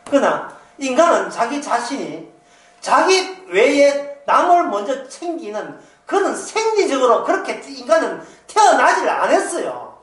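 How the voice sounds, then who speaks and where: A man's voice: extremely high pitch, big pitch swings, unhurried, fairly bright tone, distant mic. A man with a Gyeongsang Korean accent preaching a sermon, asking rhetorical questions and slipping into dialect asides. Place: church hall. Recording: roomy hall, speaker off-mic.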